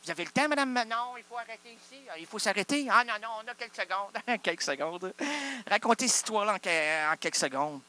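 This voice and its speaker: A man with a Québécois French accent delivers an improvised comic monologue that's absurd and rambling, full of wordplay and questions he answers himself. His high voice is bright and forceful, animated and quick.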